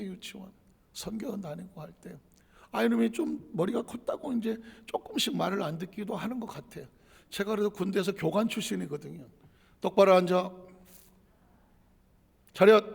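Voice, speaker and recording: High, gravelly-voiced preaching pastor. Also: male voice, big-room sound. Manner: emphatic, dramatic preaching with rhetorical questions. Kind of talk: sermon.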